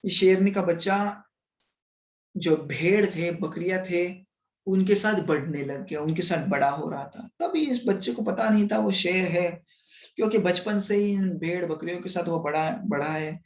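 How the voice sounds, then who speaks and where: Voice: mid-range voice, a little slow. Conversational spiritual storyteller in an echoey room. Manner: conversational, often asks "right?", mixes in English. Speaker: spiritual speaker. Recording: roomy echo.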